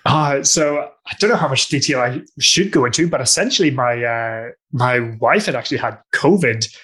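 A man with a Northern Irish accent answering interview questions in a thoughtful, conversational way, pausing often with fillers and restarts. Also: mid-range voice, a bit bright, slightly rough. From Northern Ireland. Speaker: guest discussing customer success.

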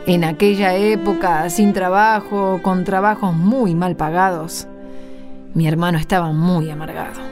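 A woman's voice: on the low side, steady tone, unhurried, close to an everyday voice. An actress playing a village woman who tells her memories in a radio drama, intimate and reflective. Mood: wistful. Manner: intimate, reflective, repeats phrases. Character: older Galilean village woman recalling her hard youth. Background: string music.

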